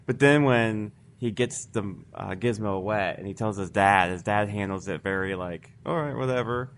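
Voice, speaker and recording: Homem entusiasmado falando de filme. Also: male voice, on the low side, steady tone, normal speed, a little hiss or hum. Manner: enthusiastic, laughs while talking. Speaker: podcast panel guest. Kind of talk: casual panel chat about a film. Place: live theater stage.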